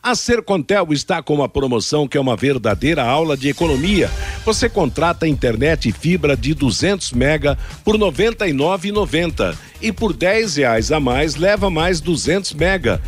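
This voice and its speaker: A man's voice: a little high, lively intonation, moderate pace, few pauses. Brazilian radio man in hard-sell ad mode. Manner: hard-sell ad delivery, punchy and insistent. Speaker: radio sports show host and ad reader. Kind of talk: scripted radio ad read. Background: loud music bed.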